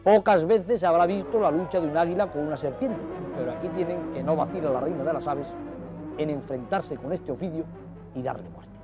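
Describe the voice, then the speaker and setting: A man with a slightly high voice and fairly quick pace presents a nature documentary, narrating over film footage in ornate, dramatic storytelling phrases. He's didactic and addresses viewers directly, with music behind him on dull vintage TV audio.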